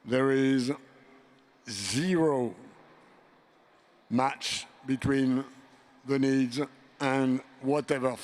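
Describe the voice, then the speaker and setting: An older man speaking on a conference panel as a commission member, slow and deliberate with long pauses. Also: medium pitch. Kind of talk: panel discussion remarks.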